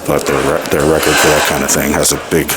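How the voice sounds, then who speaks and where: A man's voice: rumbling low, flat delivery, quick pace, heavy background noise. An American man rambling casually in a wry, musing way as he narrates a vlog while exploring. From United States. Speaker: vlogger.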